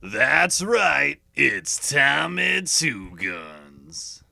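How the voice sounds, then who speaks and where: Bombastic muscle-bound cartoon doofus hero. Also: male voice, mid-range voice, sing-song, gravelly, pushed and bright, dry recording, clean studio sound, pitched above the performer's own voice, exaggerated voice. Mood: boastful. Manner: bombastic, drawn-out.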